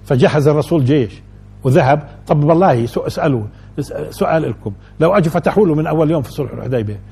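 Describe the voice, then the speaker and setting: Speaking fast, a male religious teacher gives an informal lesson on scripture, constantly addressing his audience with rhetorical questions. His fairly high, husky voice sounds expressive and dark.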